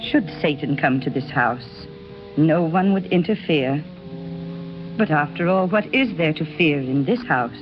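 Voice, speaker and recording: An actress playing a bishop's devoted older sister, reading a letter gently and earnestly in a 1930s radio drama, on a muffled old broadcast. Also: female voice, low voice, lively intonation, a little slow, music in the background. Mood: tender.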